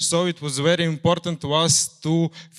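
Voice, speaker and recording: Speaking at a fairly slow pace, a man with a strong Slovenian accent is heard with a dry, close sound and no echo. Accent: thick Slovenian. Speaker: filmmaker. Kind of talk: conference talk. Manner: halting, many fillers.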